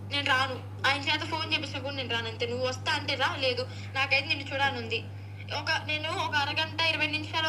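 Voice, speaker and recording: A woman's voice: sits high, bright, forceful tone. A woman, pleading and insistent in an emotional private phone conversation. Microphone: phone call. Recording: echoey, noisy leaked phone call recording.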